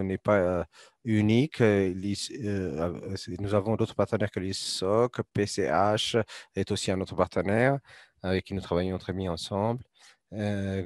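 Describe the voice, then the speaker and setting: Deep-voiced man interpreting haltingly, close dry sound. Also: darkish tone, no echo. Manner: halting, hesitant delivery with repeated words and frequent pauses. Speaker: simultaneous interpreter. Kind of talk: live interpretation of a panel discussion.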